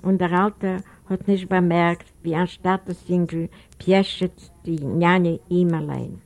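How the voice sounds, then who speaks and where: A woman narrates a literary novel in an unhurried, measured way. Her voice is low and mellow, and she reads with a storyteller's care. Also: fairly even intonation, gravelly. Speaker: audiobook reader. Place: library recording room.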